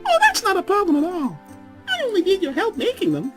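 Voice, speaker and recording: A bubbly young pink pony mare, sky-high and swooping wildly as she gushes in giddy bursts. Her cartoonish voice rides over a soft bed of music. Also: huge pitch swings, fairly quick, full character voice. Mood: cheery. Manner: squealing, giddy, gushing. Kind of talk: fan storybook reading.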